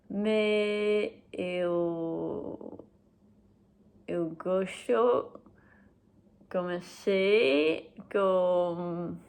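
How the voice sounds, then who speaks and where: A young woman with a German accent speaks slowly in halting beginner sentences, with frequent pauses, fillers and self-corrections, and laughs often. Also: medium pitch, gravelly, a little mellow. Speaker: language learner. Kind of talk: unscripted video message to her boyfriend.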